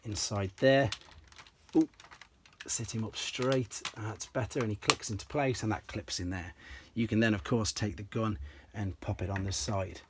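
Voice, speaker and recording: A slightly hoarse man, an enthusiastic toy collector, casually explaining and demonstrating pieces from his collection step by step, with frequent ums. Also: lowish voice, a little hiss or hum. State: slightly hoarse, clears throat.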